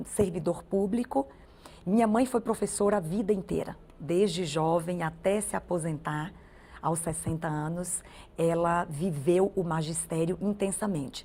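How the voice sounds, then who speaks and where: A woman in a Bahian accent, fairly low in pitch and somewhat breathy, with a dark, mellow tone, ordinary pitch variation and a fairly slow pace. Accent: Bahian accent, still carried. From Brazil, interior of Bahia (Vitória da Conquista). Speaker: state legislator. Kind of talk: TV interview. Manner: measured, frequent tag questions.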